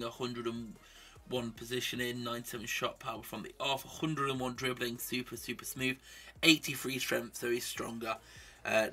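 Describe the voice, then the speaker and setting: Bright, husky man with a cold. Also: medium pitch. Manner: chatty, upbeat, runs through stats quickly. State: blocked nose from a cold. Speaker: mobile football game YouTuber. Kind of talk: casual gameplay commentary.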